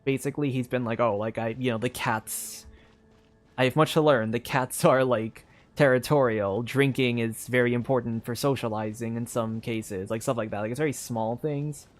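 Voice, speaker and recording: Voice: medium pitch, fairly even intonation, normal speed. A game streamer thinking aloud in casual commentary, speaking in a hesitant, rambling way full of fillers. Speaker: streamer playing a video game. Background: video game music.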